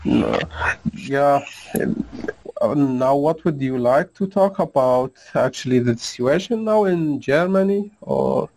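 Man, 30s, from Syria; slow, halting, gravelly. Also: medium pitch, animated, mellow, rough recording. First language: Arabic. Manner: hesitant, halting non-native English. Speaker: interview guest. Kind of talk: casual conversation.

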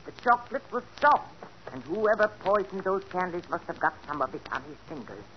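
An actress playing a flustered older aunt who hides a clue, in a 1940s radio drama with a dull, hissy sound. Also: female voice, fairly low pitch, big pitch swings, brisk. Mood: searching. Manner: flustered, evasive.

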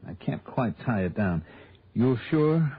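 A man's voice: mid-range voice, sing-song, slow pace, slightly rough, heavily acted. A man playing a dry-witted male insurance investigator who narrates and asks clipped, probing questions in a 1960s radio drama. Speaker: narrator and lead. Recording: tinny old radio broadcast.

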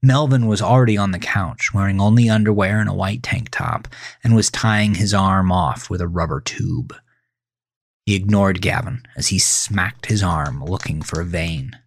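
A man narrating a horror thriller story in an intense, suspenseful way, often dropping to a breathy hush. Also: deep voice, normal speed, no echo, clean studio sound. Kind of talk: dramatic scripted storytelling. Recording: loud music under the voice. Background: loud music bed.

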